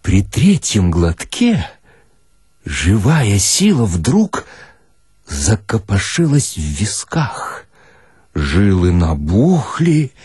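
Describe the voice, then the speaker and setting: A man reads comic literary prose as a theatrical narrator. His voice is strikingly raspy and husky, with wide melodic swings. He lingers over phrases at a slow, deliberate pace. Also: lowish voice, dry recording, clean studio sound. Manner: theatrical, expressive, with deliberate pauses. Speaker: narrator, reader of literary stories. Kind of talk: dramatic first-person reading of satirical short stories.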